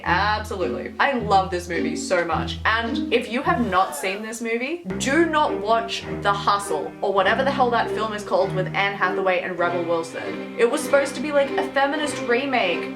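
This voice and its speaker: A young Australian woman riffs in a sarcastic, animated, judgemental way with a strong Australian accent. Steady background music runs behind her. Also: fairly high pitch. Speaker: youtuber. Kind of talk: casual commentary.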